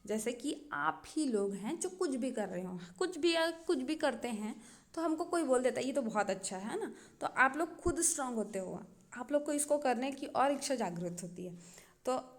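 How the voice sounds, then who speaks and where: A woman teacher with a Chhattisgarh accent gives an exam-prep lecture in a fairly high voice. She explains patiently, step by step, and keeps checking that her class is following. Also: darkish tone. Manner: explains slowly, often checks with "है ना" and "ठीक है".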